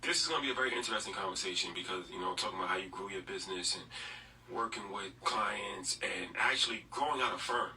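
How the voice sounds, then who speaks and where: Laid-back male host, bright tone. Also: low-pitched, fast talker. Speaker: podcast host. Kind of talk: casual interview. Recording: distant mic with faint noise.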